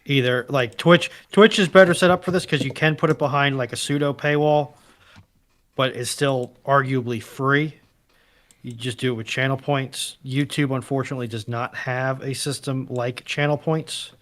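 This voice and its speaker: Mid-pitched man in casual livestream chat. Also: fairly even intonation, normal speed, fairly bright tone.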